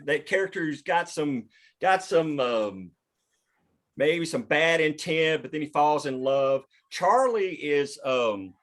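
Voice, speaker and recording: Guy running a table read, talks thru the story kinda halting, stops to find words, swears a bit. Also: medium pitch. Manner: halting, pausing mid-sentence to find words. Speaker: writer and host leading a table read. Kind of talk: casual group discussion explaining a story.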